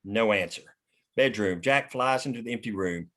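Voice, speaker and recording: A man's voice: fairly low pitch, moderate pace, sharp tone. A man hosting a script table read, reading stage directions and chatting casually. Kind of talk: script narration and casual discussion.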